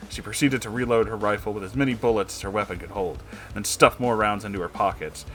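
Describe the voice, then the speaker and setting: A man's voice: lowish voice, fast, a bit bright. A man narrating a comedic story in a dramatic, theatrical way.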